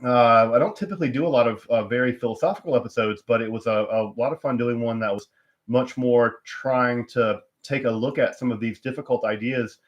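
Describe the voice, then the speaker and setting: Man, stuffy nose from a cold, casual live stream host, lots of ums and restarts, mid-pitched voice. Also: fairly quick, lo-fi sound. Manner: rambling, many fillers and restarts. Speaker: channel host.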